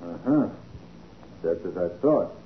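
Shrewd American private eye, 1940s radio style; animated, assured delivery on an old crackly broadcast. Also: male voice, low-pitched, narrow, tinny audio. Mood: assured, deducing. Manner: assured, deliberate, interrogating. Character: confident, shrewd male private detective, commanding and methodical. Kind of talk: 1940s radio detective drama acting. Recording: scratchy band-limited 1940s radio recording.

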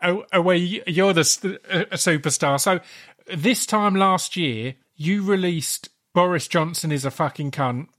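Male podcast host, British accent, slightly high voice, informal and matey interviewing style, happy to swear. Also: a little slow, fairly bright tone. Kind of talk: casual interview chat.

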